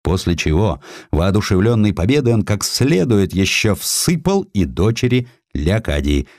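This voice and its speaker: A man narrating historical stories as an audiobook, in an expressive, theatrical manner. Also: fairly low pitch, normal speed, no echo, studio quality.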